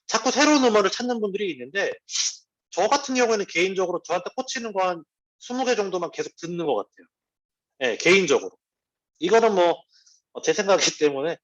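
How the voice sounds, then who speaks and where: A man's voice: high voice, muffled recording. A man leading a team meeting, giving a conversational motivational business talk with personal asides. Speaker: network marketing team leader.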